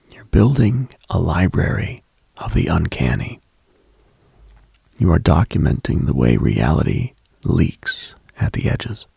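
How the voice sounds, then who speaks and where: Male late-night host, heavy vocal fry, very dry close sound; intimate, husky, unhurried, contemplative ASMR-style delivery. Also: low voice, no echo. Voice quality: husky, gravelly, breathy. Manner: hushed, unhurried, contemplative, addresses listener directly.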